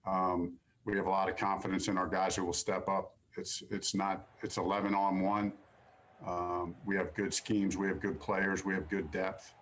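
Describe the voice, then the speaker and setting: A man's voice: sits low, flat delivery, moderate pace, a bit bright. A man giving an unscripted press conference answer, with faint ambient noise.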